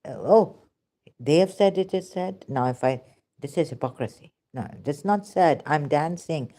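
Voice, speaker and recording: Low-voiced woman with Pakistani accent. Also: expressive, normal speed, mellow. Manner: sarcastic, emphatic, with broken English. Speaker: vlogger. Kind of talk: rambling religious commentary.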